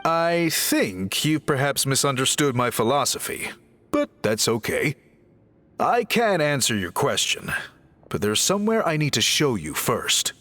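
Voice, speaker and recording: A man playing an earnest, courteous tribal craftsman and reformer in a video game, speaking in polite, measured, articulate phrases. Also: medium pitch, big pitch swings, a bit bright. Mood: calm, inviting. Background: background music.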